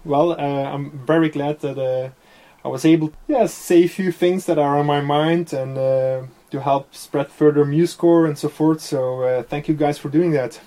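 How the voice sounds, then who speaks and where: A man's voice: on the high side, steady tone, normal speed, mellow. A man whose first language is Dutch, speaking English in a casual interview with many fillers and frequent laughs. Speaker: interview guest, software developer.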